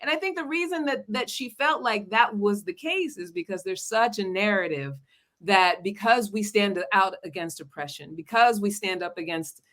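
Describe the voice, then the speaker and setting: A woman's voice: mid-range voice, moderate pace, a bit bright. An American woman hosting an interview podcast, affirming her guest and chatting with enthusiasm. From United States. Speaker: podcast host and relationship coach.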